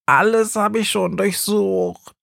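Guy doing a high fretful little old gnome, muddled, storybook. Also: steady tone, takes it slowly, creaky, fairly bright tone, no echo, clean studio sound, heavily acted. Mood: plaintive. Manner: muddled, plaintive, scatterbrained. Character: forgetful old male house gnome, small and fretful. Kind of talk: storybook reading.

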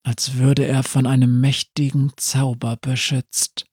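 Proud cave creature, as a man puts it on, guarded, slow, dry close sound. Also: medium pitch, flat delivery, darkish tone, breathy edge, no room sound. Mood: wary. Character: proud, wary creature of the caves.

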